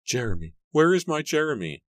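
Frantic young woman, acted by a man, raised pitch, desperate wailing, grieving, storybook drama. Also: very animated, a little fast, no echo, studio quality. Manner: desperate, wailing, pleading questions. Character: frantic, grief-stricken young woman shrieking for lover.

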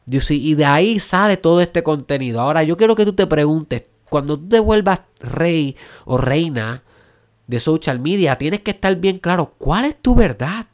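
Emphatic Puerto Rican podcast host. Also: male voice, fairly high pitch, animated, normal speed. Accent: Puerto Rican Spanish. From Puerto Rico. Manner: emphatic, rising to urgent rhetorical questions; drops English words into Spanish. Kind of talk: motivational podcast monologue.

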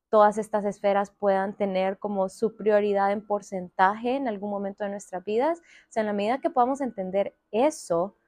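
Calm woman guiding self-reflection. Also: mid-range voice, no echo. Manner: gentle, guiding, asks reflective questions. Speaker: podcast host. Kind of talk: reflective wellness podcast talk.

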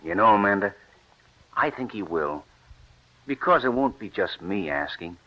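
A determined wheat scientist argues his plans with drive and conviction. His pitch moves around a lot. The sound is dull and lo-fi, like an old radio broadcast. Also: normal speed. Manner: driven, persuasive, animated. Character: determined wheat scientist husband, middle-aged man. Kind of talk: 1940s radio acting.

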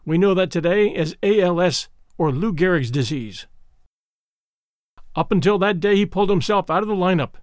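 A man's voice: sits high, animated, moderate pace, no room sound, clean studio sound. A man hosting a podcast, giving a scripted introduction. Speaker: podcast host.

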